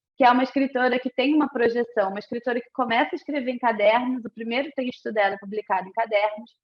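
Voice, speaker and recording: A woman talks at a very fast pace with a high pitch. Her intonation stays fairly even, but her loudness swings widely. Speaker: historian and researcher. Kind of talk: lecture. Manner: hesitant, many fillers.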